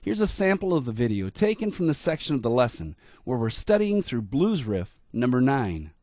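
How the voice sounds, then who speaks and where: A man's voice: mid-range voice, very animated, moderate pace, darkish tone, no room sound, studio quality. A man giving upbeat, scripted voice-over narration introducing piano lesson clips. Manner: upbeat, promotional.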